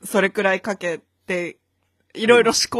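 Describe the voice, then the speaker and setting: A plain, everyday voice speaks at a moderate pace with ordinary pitch variation, in a dry, close sound with no echo. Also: woman. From Akita City, northern Japan. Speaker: podcast co-host and editor. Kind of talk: casual chat.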